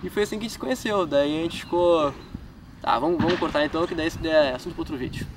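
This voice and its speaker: A young man with a southern Brazilian gaúcho accent rambles casually through fan questions, his voice sitting high for a guy. He is picked up from a few feet away by a camera mic outdoors, with clear wind and traffic noise around him. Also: rapid-fire, recorded from a distance. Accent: southern Brazilian gaúcho Portuguese. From Rio Grande do Sul, Brazil. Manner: chatty, lots of filler tags, laughs at himself. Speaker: gaming YouTuber. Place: outdoors in a wooded park.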